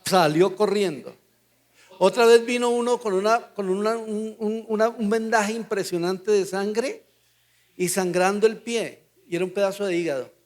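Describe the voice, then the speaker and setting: An older man with a Colombian Spanish accent, a pastor teaching a Bible study through lively anecdotes with acted-out dialogue. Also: high voice, normal speed. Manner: storytelling, acts out dialogue in quotes.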